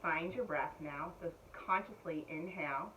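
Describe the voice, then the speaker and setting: A middle-aged woman with a low, deep voice leads a relaxed home yoga class. She wanders through chatty asides before giving soft cues for poses and breathing. The sound is distant and a little dull, with a faint hum of room noise behind her. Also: moderate pace. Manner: chatty and meandering, soothing cues. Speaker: yoga instructor. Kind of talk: casual spoken yoga class guidance.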